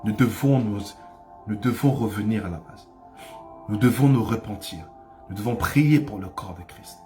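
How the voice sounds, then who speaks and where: A man's voice: fairly low pitch, normal speed, warm tone, soft background music. A man preaching a sermon as pastor, with impassioned delivery that rises to cries and repeats phrases for emphasis.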